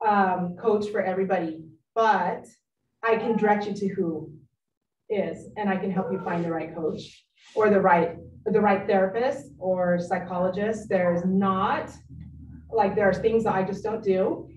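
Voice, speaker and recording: A middle-aged woman giving a live workshop talk to parents, animated and lively, acting out friends she quotes. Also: medium pitch, unhurried, dull audio, slight background noise. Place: meeting room. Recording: echoey room, distant mic.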